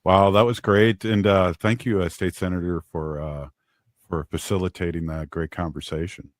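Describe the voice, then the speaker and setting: An older man hosting a community radio show, gentle and folksy in his delivery. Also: sits low, steady tone, moderate pace, no echo, clean studio sound. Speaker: radio host.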